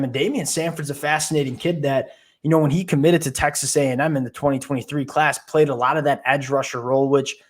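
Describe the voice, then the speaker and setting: A young man hosting a casual college football analysis, talking through his opinions and thinking aloud as he goes. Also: medium pitch.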